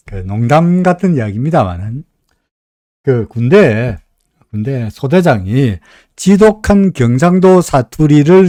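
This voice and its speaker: A man's voice: mid-range voice, warm tone, no echo, clean studio sound. A middle-aged man with a Gyeongsang Korean accent, hosting a live stock market commentary in a folksy, chatty way, often asking his listeners "right?". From Gyeongsang region, Korea. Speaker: stock market analyst host.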